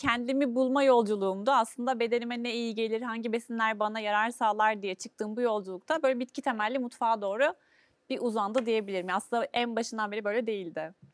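At a very fast pace and with hardly any pauses, a woman speaks in a fairly high pitch with fairly even intonation, the sound dry with no echo. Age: 30s. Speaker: food content creator. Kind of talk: casual chat. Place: studio.

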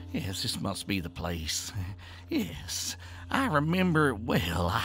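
Over clear background music, a man performs a put-on character voice. It is fairly low in pitch and fairly slow in pace. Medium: read story. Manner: repetitive, hissing, sing-song.

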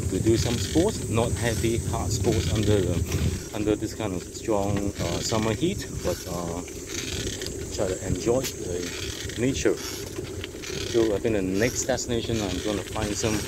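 A man at a fairly slow pace, with long, frequent pauses, a dry sound with no echo and loud background noise. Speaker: solo cyclist vlogger. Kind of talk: casual vlog chat. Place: bicycle. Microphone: phone near.

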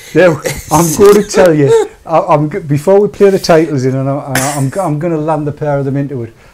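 Against noticeable background noise, a man talks at a moderate pace with a fairly high pitch and ordinary pitch variation. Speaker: podcast host. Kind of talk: casual chat. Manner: mouth not opening normally.

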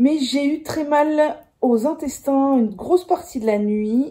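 This is a woman's voice. It is somewhat breathy, with a dark, mellow tone. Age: 30s. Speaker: vlogger. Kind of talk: casual chat. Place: home room. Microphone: phone near.

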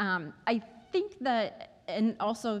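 A woman speaks with ordinary pitch variation. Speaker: market research executive; conference panelist. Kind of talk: conference presentation with data. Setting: stage with audience. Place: stage. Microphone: lapel.

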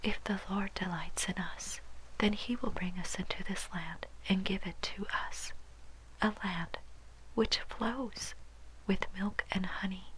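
Whispering and soft-spoken, a woman talks with long, frequent pauses. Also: fairly slow pace. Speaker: Bible reader. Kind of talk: scripture reading for sleep. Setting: rain sounds in background. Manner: soft-spoken, whispered.

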